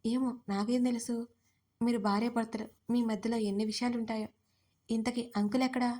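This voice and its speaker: A woman's voice: a little high, flat delivery, fairly quick, warm tone, lightly acted. A woman voicing a cheeky, teasing young woman, the groom's playful sister, in a romance audio story.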